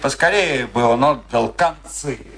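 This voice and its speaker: An actor playing a bitter, theatrical older husband in a radio play, mocking and deliberate in his delivery. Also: medium pitch, creaky, fairly bright tone, a little hiss or hum. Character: sardonic, bitter, theatrical aging husband in a long marriage.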